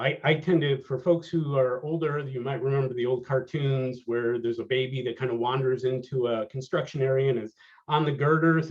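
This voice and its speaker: A man in his fifties speaking as a panel guest, wry and rambling, often trailing off quietly, on a video call. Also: medium pitch. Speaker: panel speaker, business manager. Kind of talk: casual panel talk over a video call. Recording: dull lo-fi call audio.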